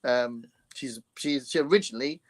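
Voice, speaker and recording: A man's voice: medium pitch, normal speed. A man from Hampshire with a southern English accent, co-hosting a casual chat, talking with many hesitations. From Hampshire, England. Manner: chatty, hesitant with fillers. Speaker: co-host.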